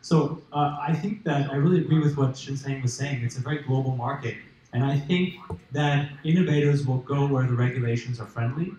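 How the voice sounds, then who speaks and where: Confident male panelist, roomy hall echo, mid pitch. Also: darkish tone. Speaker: panelist, company CEO. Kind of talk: conference panel remarks. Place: large conference hall. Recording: echoey hall.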